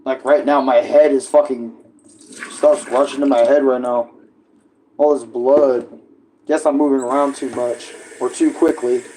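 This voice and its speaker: A man's voice: mid-range voice, steady tone, measured pace, dark tone, a little hiss or hum, poor audio. A young man vlogging from home with a tablet mic, rambling casually with lots of fillers, his voice a little froggy. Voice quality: froggy voice at times. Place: at home, in a kitchen. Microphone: tablet propped up nearby.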